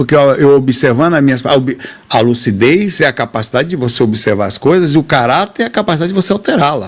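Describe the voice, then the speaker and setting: A man talks at a very fast pace. His pitch is fairly high, with lively intonation. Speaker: spiritual teacher. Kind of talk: live stream talk. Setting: live stream. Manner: animated.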